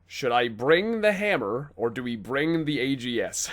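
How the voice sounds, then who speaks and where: A man's voice: mid-range voice, big pitch swings, measured pace, a bit bright. A young man from North Dakota with a Midwestern American accent, chatting casually and rambling cheerfully over a voice call while he plays and comments. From North Dakota, USA. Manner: rambling, upbeat, laughs easily. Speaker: gaming video host. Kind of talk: casual gameplay chat and commentary.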